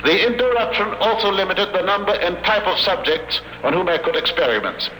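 An actor playing a pompous, megalomaniac European scientist who gloats formally and menacingly in an old radio drama. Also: male voice, sits high, expressive, a little fast, pushed and bright. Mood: smug gloating. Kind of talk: 1950s radio drama acting. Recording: echoey, noisy vintage 1950 radio broadcast.

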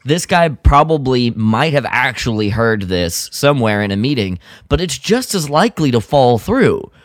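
A man co-hosting a podcast in casual chat, thinking aloud in loose, halting phrases. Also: medium pitch, very animated, no echo, clean studio sound. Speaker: podcast co-host.

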